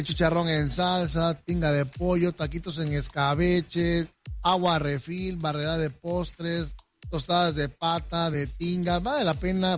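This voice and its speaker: A man with a Mexican Spanish accent, a chef enthusiastically listing dishes one by one on a live radio remote from a hotel restaurant. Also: on the high side. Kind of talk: on-air promotional chat.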